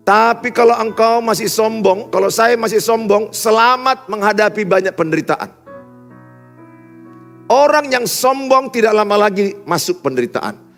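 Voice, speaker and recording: A man, preaching a sermon in a large church hall. He builds cadenced lists with loud emphasis, then drops into soft, intimate asides. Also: high-pitched. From Indonesia. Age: 50s. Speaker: pastor. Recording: long hall reverb with faint music.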